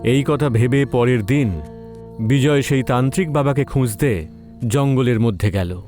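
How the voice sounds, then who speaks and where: A man's voice: mid-range voice, unhurried, darkish tone, faint music behind. A man narrating a scripted horror story in a dramatic storytelling style.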